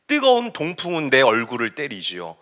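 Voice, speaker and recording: A man's voice: mid-range voice, huge pitch swings, fairly quick, bright, forceful tone. A man preaching a sermon, telling a story emphatically and asking the congregation rhetorical questions. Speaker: pastor.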